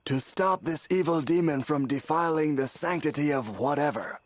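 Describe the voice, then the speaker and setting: A man's voice: on the high side, normal speed, lightly acted. An actor voicing a pompous cartoon hero who declaims his lines grandly. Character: pompous male cartoon hero in a home play. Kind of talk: cartoon voice acting.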